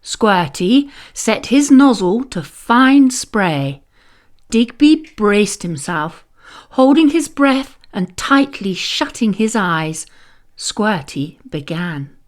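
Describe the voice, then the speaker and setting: A woman reading a children's story aloud as narrator, expressive and deliberate. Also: mid-range voice.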